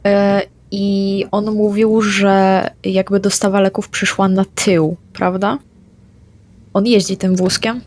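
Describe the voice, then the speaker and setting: A woman playing a tabletop vampire game, declaring her character's actions in a quick, plain manner. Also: medium pitch, flat delivery, a little mellow. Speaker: player.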